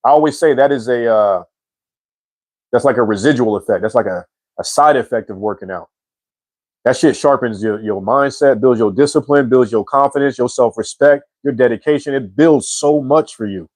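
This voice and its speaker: Man, 40s, casual live-chat host, mid-pitched, slangy and relaxed, dry sound. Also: normal speed, dry recording. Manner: slangy and relaxed, says bro and man a lot; reads viewer comments aloud and answers.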